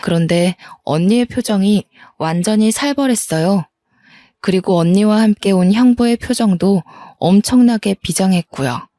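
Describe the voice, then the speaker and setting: A woman's voice: medium pitch, moderate pace, warm tone, dry recording, clean studio sound. A woman narrating a dramatic first-person family story in a scripted storytelling style.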